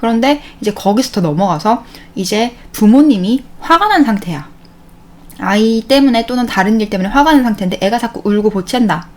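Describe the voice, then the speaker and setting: A woman's voice: a little high, animated, a little fast, a little mellow. A woman hosting a self-help channel, giving a casual spoken talk on emotional healing. She briefly acts out what parents and children say, and often repeats words or restarts a sentence.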